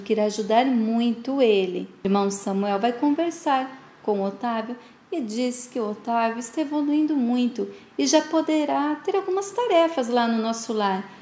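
Woman host, brisk casual recap narrator, slightly high voice, recorded in an echoey room. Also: warm tone, slight background noise. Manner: brisk retelling, quoted lines voiced with some feeling. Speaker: channel host recapping a soap opera. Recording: roomy echo.

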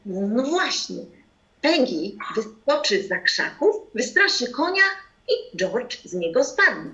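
A woman's voice: a little high, very animated, takes it slowly, pushed and bright, full character voice. A woman playing a matter-of-fact organizer of a scheme in an amateur radio play. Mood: approving. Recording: slightly muffled home recording.

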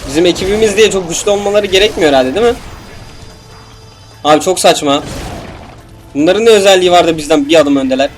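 A man's voice: high-pitched, quick pace, pauses often, faint music behind. A young man casually commentating a video game, joking, swearing and talking back to the enemies on screen. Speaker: gameplay commentator. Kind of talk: casual let's play commentary.

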